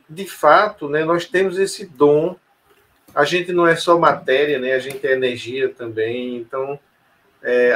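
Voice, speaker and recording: A man's voice: mid-range voice, a bit bright. A man telling a personal story in an interview, hesitant, with many fillers and restarts. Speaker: interview guest. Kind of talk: casual storytelling conversation.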